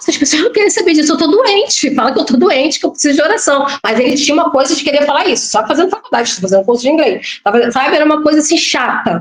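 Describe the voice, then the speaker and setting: A woman speaks at a very fast pace in a high pitch. Her intonation is lively. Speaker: interviewee sharing life story. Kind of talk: interview testimony.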